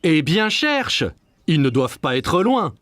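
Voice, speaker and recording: An actor playing a patient, reassuring father of young children in a children's cartoon, calm and encouraging over music. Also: mid-range voice, unhurried. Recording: music under the voice.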